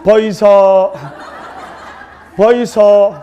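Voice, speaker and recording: A man voicing a newlywed bride from Gyeongsang, who speaks in a broad dialect, loud and insistent. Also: high-pitched, flat delivery, extremely slow, slight background noise.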